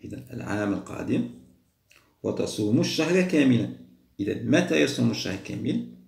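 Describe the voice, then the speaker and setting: A man teaching a primary school Arabic lesson, patiently repeating words slowly for young pupils. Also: mid-range voice, animated, creaky, darkish tone, roomy sound. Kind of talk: explaining a second-grade Arabic test.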